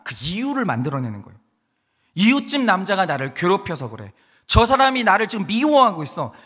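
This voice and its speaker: Male pastor, 30s, husky and high-pitched, animated sermon with long hall reverb. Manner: animated storytelling with acted quotes. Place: church sanctuary.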